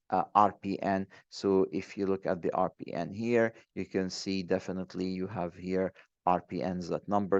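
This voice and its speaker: Very low-voiced man with many fillers. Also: no room sound. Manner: hesitant, many fillers and restarts. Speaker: webinar presenter. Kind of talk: online training webinar. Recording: dull, dry close mic.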